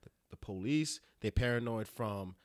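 A man's voice: on the low side, expressive, moderate pace, no room sound, studio quality. A young man in casual podcast chat, telling loose stories full of slang and fillers.

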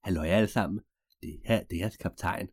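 A man playing a calm airline captain making matter-of-fact announcements. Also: deep voice, no room sound.

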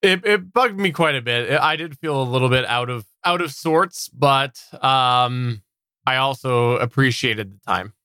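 A man's voice: mid-range voice, expressive, measured pace, pushed and bright, no echo. A man co-hosting a podcast, chatting casually with dry humor. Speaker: podcast co-host.

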